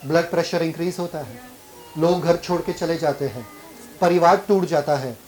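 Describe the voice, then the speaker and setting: Pastor leading a sermon, keeps quizzing the congregation. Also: male voice, a little high, normal speed, darkish tone, soft background music, rough recording. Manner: questions the congregation and drives for answers.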